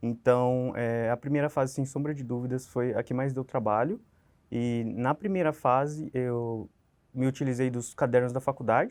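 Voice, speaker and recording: This is a man with a medium pitch. He talks at a moderate pace with fairly even intonation. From interior of São Paulo state, Brazil. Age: 20s. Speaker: recent law graduate who passed the bar exam. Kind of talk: interview. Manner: hesitant, many fillers and repetitions.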